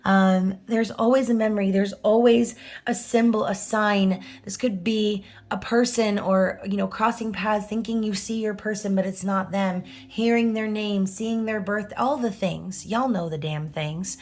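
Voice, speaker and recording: A woman doing a casual tarot reading, her voice hoarse and scratchy, who talks in a chatty way, tags her lines with "okay?" and "right?" and swears now and then. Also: medium pitch, steady tone, measured pace, a little mellow. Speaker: tarot reader.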